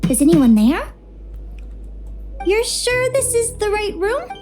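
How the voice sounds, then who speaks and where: A woman's voice: extremely high pitch, very animated, slow pace, darkish tone, faint music behind, exaggerated voice. A woman voicing an earnest, determined young fae girl in a video game, speaking with emotion and expression. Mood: insistent. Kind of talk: scripted game voice acting.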